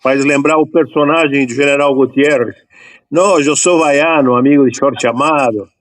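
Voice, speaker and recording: A man's voice: medium pitch, moderate pace, a bit bright, dry recording. A man co-hosting a podcast, asking long, rambling questions and mixing small jokes with serious points. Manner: joking then earnest, rambling questions. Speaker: podcast co-host. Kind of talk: casual interview.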